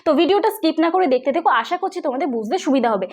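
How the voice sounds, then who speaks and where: A woman's voice: high-pitched, animated, racing. A woman with a West Bengal accent hosting a tech vlog, explaining things chattily and often checking with listeners. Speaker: tech channel host. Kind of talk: casual tutorial vlog.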